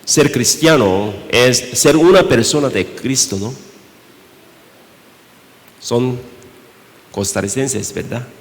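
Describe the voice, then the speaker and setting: A man from Korea with a Korean accent, preaching a sermon in Spanish as pastor, halting, with many rhetorical questions. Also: mid-range voice. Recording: reverberant church hall.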